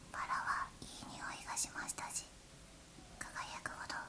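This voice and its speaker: Over noticeable background noise, a woman whispers at a fairly slow pace, leaving long, frequent pauses. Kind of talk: children's story reading. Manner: whispered.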